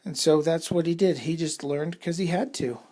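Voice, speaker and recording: Improvising a children's bedtime story, this man takes his time and speaks haltingly. His voice is a little high with a dark tone, slightly husky and breathy.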